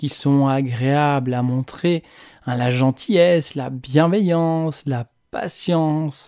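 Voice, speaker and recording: On a very clean recording with a silent background, a man with a fairly high pitch and a dark, mellow tone speaks at a very slow pace with ordinary pitch variation. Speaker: personal development podcaster. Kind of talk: motivational monologue. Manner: conversational, addressing listener directly.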